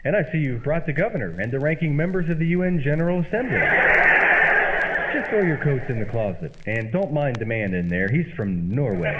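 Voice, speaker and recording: A man playing a fussy, anxious, socially ambitious party host in an old-time radio comedy, bossy and eager to impress. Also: fairly high pitch. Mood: smooth, eager. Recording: muffled, very noisy old radio sound.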